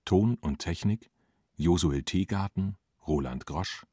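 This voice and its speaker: A man announcing scripted credits for a radio production in a measured, formal way. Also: deep voice, mellow, husky, dry recording, clean studio sound.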